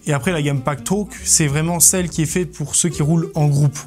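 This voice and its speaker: Higher-voiced man, casual playful product presenter. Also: fairly even intonation, fairly quick, a little mellow, faint music behind. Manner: informal, playful, self-mocking. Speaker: presenter of a motorcycle gear video. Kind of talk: casual product review to camera.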